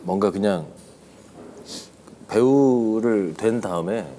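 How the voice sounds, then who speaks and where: A man's voice: lowish voice, slow pace, warm tone, a little hiss or hum. A man who is an actor and a guest, chatting over drinks politely and reflectively, with some hesitation. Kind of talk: casual chat over drinks.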